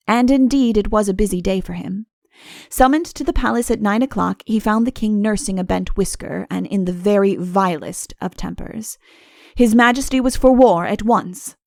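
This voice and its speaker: A woman's voice: medium pitch, creaky, a little mellow, no room sound, studio quality. A woman reading scripted comic fairy-tale narration as an audiobook narrator.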